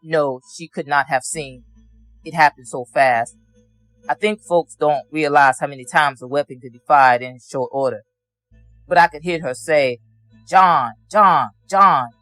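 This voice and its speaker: A man's voice: fairly high pitch, steady tone, normal speed, a bit bright, no echo, faint music behind. Matter-of-fact male witness giving testimony. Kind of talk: courtroom testimony.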